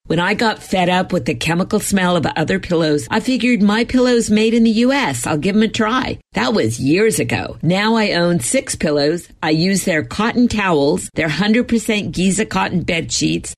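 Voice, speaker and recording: Low-voiced woman reading a sponsor testimonial. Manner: chatty, enthusiastic testimonial. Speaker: executive producer. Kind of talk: scripted sponsor read.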